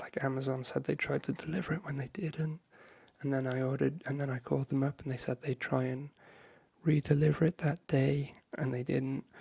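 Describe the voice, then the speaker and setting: This recording is very clean, with a silent background. Talking moves at a fairly quick pace. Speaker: ASMR creator. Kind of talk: soft-spoken friendly chat, ASMR roleplay.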